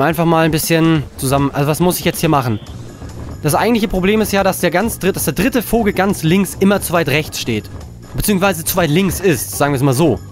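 A man giving live gameplay commentary as a let's play host, frustrated, swearing and talking himself calm, indoors at a desk. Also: on the high side.

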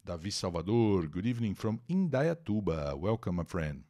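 A man's voice: deep voice, big pitch swings, a little slow, mellow. A man teaching English to Brazilians on a live stream, with a Brazilian Portuguese accent, reading an article and translating it, repeating words and greeting the chat.

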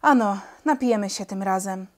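A woman voicing a calm, wry male pilot who has lost his legs, in a storybook reading. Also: mid-range voice, moderate pace, close to an everyday voice. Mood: relieved. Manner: wry, matter-of-fact banter. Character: calm legless male pilot, dry joker.

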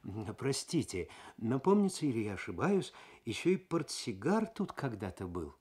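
A man's voice: mid-range voice, big pitch swings, normal speed, a little mellow, breathy edge. A man voicing a wary, unruffled black-market dealer in a radio story, with musing hesitations and filler words. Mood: hesitant.

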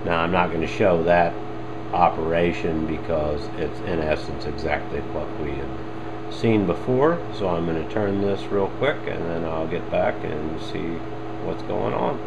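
A man with a low, deep voice talks plainly through his workshop steps, unhurried and practical. He is recorded on a handheld camera in a home shop, with a clear hum of machines and air behind him. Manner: plain step-by-step explaining, unhurried. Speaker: hobby machinist reviewing a tool. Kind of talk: casual workshop demonstration. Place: home workshop with lathe and bench. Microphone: handheld camera mic, speaker off screen.

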